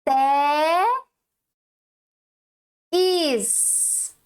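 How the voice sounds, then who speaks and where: A woman teacher, giving a recorded lesson to young children and stretching out each syllable as she explains. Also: high voice. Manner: slow, drawn-out syllables, explaining. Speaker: primary school teacher.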